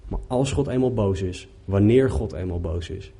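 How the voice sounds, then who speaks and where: A man's voice: fairly low pitch, normal speed, mellow, breathy edge. A man preaching a sermon in an earnest, emphatic way, often repeating phrases for weight.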